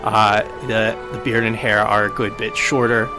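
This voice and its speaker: A man playing a tabletop roleplaying game, describing his character in a measured, dryly understated way. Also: fairly low pitch, flat delivery. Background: background music.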